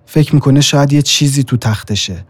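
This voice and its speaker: A man's voice: medium pitch, slightly rough, no room sound. A man reading a scripted horror story with dramatic, suspenseful delivery. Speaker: narrator. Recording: soft music bed behind the voice.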